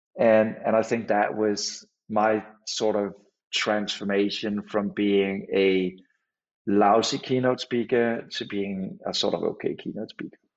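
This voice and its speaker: A man talks at a fairly low pitch and fairly slow pace. His intonation is monotone and flat. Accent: Danish. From Denmark. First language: Danish. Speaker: author and keynote speaker. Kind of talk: interview conversation.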